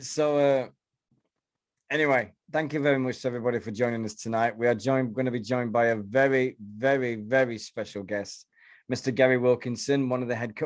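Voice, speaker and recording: Man, middle-aged or older, loose-denture slur, mid-pitched, halting casual host chat, dry sound. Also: dry recording. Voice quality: slight slurring from a missing denture tooth. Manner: halting, repeats and restarts phrases. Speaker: podcast host.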